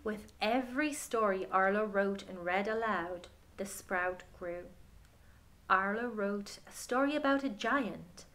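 A woman storyteller narrating a children's storybook expressively and deliberately, letting phrase endings drop to a hush and speaking directly to young listeners. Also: mid-range voice.

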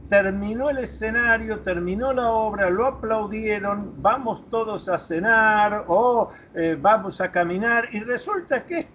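A man's voice: sits high, a bit bright, a little hiss or hum. An older man speaking thoughtfully in a reflective conversation, explaining ideas with a few restarts over a video call from a home study. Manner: thoughtful, lecturing, with filler restarts. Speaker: interview guest.

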